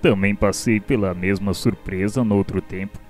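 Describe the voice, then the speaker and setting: A wise, generous mentor of souls, acted by a man teaches in a radio drama with a Brazilian accent. The voice is fairly low, the delivery measured and formal. Faint music plays underneath. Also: fairly even intonation, darkish tone, close to an everyday voice. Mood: calm, instructive. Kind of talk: scripted radio drama lecture.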